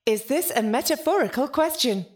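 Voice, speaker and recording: A woman's voice: high-pitched, expressive, moderate pace. A woman playing a prim, evasive, literal-minded ship's intelligence in a science-fiction audio drama, speaking with dry, formal politeness. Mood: dry, pedantic. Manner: formal, pedantic, dryly polite.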